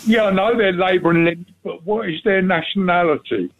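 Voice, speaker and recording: A man's voice: high voice, brisk. A man calling into a radio talk show, matey and blunt with his questions. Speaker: caller. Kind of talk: radio phone-in call. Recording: phone line.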